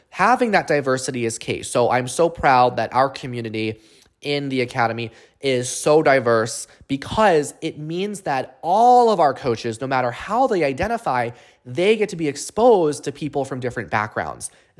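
A man's fairly high voice, animated and upbeat, with lively intonation at a moderate pace, on a very clean recording with a silent background. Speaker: life coach and podcast host. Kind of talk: solo podcast monologue. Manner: animated, upbeat, promotional.

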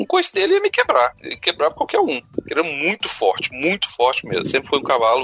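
A man talks at a very fast pace, with music in the background. The sound is dry and close, with no echo. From Brazil, Minas Gerais (Belo Horizonte area). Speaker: pet owner telling animal stories. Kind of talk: casual chat. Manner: animated storytelling.

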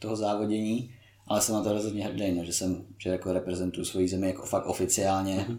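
A man speaks at a very fast pace with a fairly low pitch. His tone is dark and mellow, and his intonation is fairly even. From Central Bohemia, Czech Republic. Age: 20s. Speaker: bodybuilder. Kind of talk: interview.

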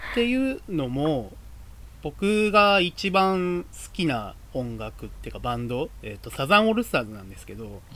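The voice moves at a moderate pace with very wide pitch swings. Its loudness also rises and falls in big swings. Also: man, fairly high pitch for a man. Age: 20s. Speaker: culture writer. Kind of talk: casual interview chat. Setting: remote recording.

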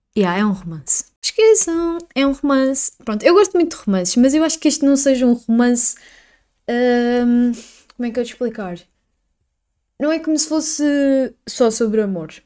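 A woman with a European Portuguese accent, a high pitch, very wide pitch swings, big swings in loudness and a dark, mellow tone, in a very clean recording with a silent background. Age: 20s. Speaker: podcast host. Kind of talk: solo monologue.

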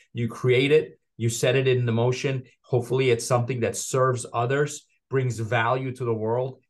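A man speaks at a moderate pace in a medium pitch, his voice somewhat breathy. His intonation stays monotone and flat. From Iran. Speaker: chiropractor and author. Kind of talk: interview.

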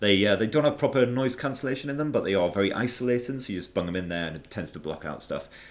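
Talking at a very fast pace with hardly any pauses, a man uses lively intonation and vocal fry at a medium pitch. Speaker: YouTuber and tech journalist. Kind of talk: casual interview chat.

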